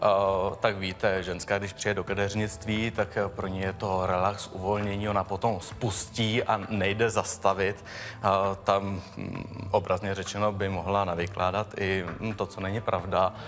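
A man's voice: low-pitched, flat delivery, fairly bright tone, long reverb tail. An actor playing a brash, crude male hairdresser testifying as a witness in a TV courtroom show. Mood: cocky. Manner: crude, cocky, laughs at his own remarks.

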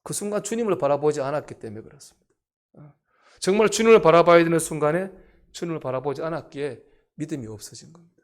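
A male pastor preaches with emphatic force, his fairly high voice climbing and growing loud on repeated phrases. Between these peaks he falls back to soft, slowed asides. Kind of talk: sermon.

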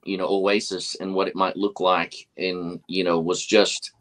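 Earnest low-voiced pastor on a video call. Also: male voice, level tone, a little slow, fairly bright tone. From West Texas. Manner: earnest, preachy, many fillers and restarts. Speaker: pastor and guest. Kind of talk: casual video call conversation. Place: office with whiteboard, indoors. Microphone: webcam on video call.

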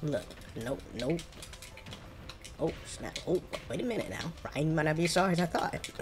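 A gaming streamer with an African American English accent speaks in a mid-range voice with lively intonation at a moderate pace, with background noise behind them. They give casual, colloquial commentary and react as they play.

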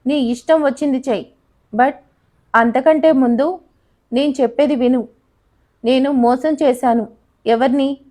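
A woman's voice: sits high, fairly even intonation, a little slow, long pauses. A woman voicing a desperate, defiant young heiress in an audio story, speaking in pleading and indignant tones. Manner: pleading, then sharp and indignant.

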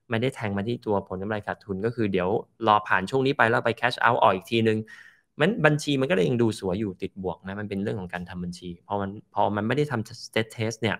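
A man's voice: on the low side, gravelly, fairly bright tone. A man hosting a channel, casually explaining finance news over clips, mixing in English terms. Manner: explains slowly in plain terms, mixes in English terms.

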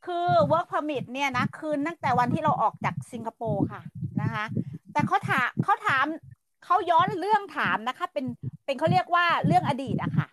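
A woman's voice: high-pitched, lively intonation, moderate pace, background noise. A middle-aged woman from Thailand hosting a casual livestream chat, blunt and ranting, swearing freely and stretching her polite endings for emphasis. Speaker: livestream host.

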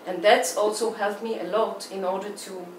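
A woman's voice: mid-range voice, steady tone, moderate pace. Israeli woman speaking from across an echoey room. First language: Hebrew. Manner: thoughtful, restarts phrases often. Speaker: artist guest. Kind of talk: interview answers. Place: indoor room with plain walls. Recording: echoey room, distant mic, faint hiss.

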